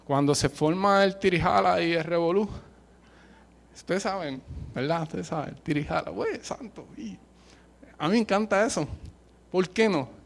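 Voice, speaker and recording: A man preaching with a Puerto Rican accent, passionate and emphatic, dropping casual slang and jokes into his sermon. His voice sits high for a man, rising to forceful peaks as he presses each point. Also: moderate pace, creaky, pauses often. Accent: Puerto Rican Spanish. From Puerto Rico. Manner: passionate, emphatic, uses colloquial slang and humor.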